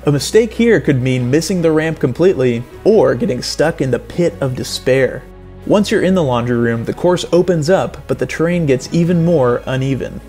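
A man giving earnest, deadpan play-by-play as a mock golf commentator in a parody sports broadcast. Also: a little high, normal speed, soft background music. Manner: earnest play-by-play, building to excited outbursts.

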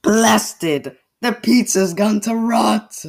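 A woman's voice: deep voice, sing-song, slow, darkish tone, exaggerated voice. A woman voicing a grumbling animatronic pirate fox in an exaggerated, overacted cartoon fandub style. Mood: outraged.

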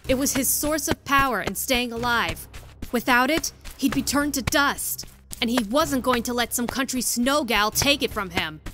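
A woman's voice: on the high side, normal speed, loud music behind the voice. A woman narrating a scripted story as the narrator of an audio drama.

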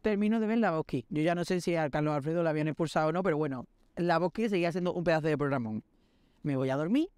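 A man in his twenties with a Spanish accent, a podcast host telling a personal story with animated, self-mocking drama while walking outdoors at night. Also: a little high, fast, clear, resonant tone, dry recording. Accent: Spain Spanish. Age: 20s.

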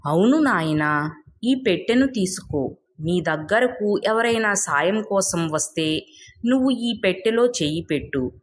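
A woman's voice: medium pitch, expressive, measured pace, lightly acted. A woman voicing a benevolent male celestial spirit in a moral tale, solemn and fatherly as he instructs.

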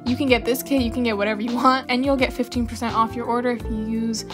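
A woman's voice: a little high, flat delivery, fast talker. A young woman chatting casually in a voice-over for her nail tutorial, rambling into asides and laughing often. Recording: voice-over with faint music.

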